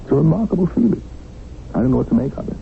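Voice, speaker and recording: An actor playing a middle-aged kidnapped tycoon in a radio drama, worldly and defiant, with a sardonic, reflective manner. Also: male voice, a little high, big pitch swings, rapid-fire, creaky, full character voice. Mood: weary, reflective. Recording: narrow-band, noisy old radio broadcast.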